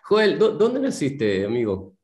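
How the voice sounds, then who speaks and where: A man's voice: fairly high pitch, huge pitch swings, a little slow. Older Rioplatense male host, affectionate interviewer, desk mic in a roomy studio. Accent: Rioplatense Spanish. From Argentina. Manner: warm, affectionate toward guest. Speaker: host, reverend. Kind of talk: friendly interview. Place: studio with purple-lit backdrop. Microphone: desk podcast mic.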